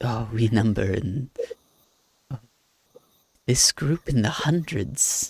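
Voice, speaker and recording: A man talks in a put-on character voice at a medium pitch. He goes at a fairly slow pace with long, frequent pauses. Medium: actual play. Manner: eerily affable, eager.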